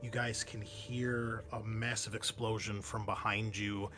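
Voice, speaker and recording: A man narrating a tabletop roleplaying game as game master, in a halting, descriptive, conversational way. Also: on the low side, little pitch movement, sharp tone, a little hiss or hum.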